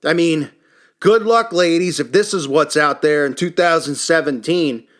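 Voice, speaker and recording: A man's voice: fairly high pitch, moderate pace, fairly bright tone. A man delivers an indignant, emphatic, unscripted opinion rant as a commentary host. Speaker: YouTube commentary channel host.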